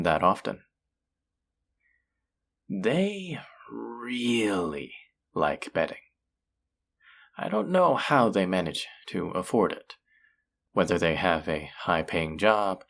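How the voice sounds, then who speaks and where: A man voicing a flirty, possessive demon casino worker in a roleplay audio drama, teasing and taunting with seductive, drawn-out phrasing. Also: low voice, gravelly, a bit bright, heavily acted. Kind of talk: scripted roleplay audio drama addressed to the listener.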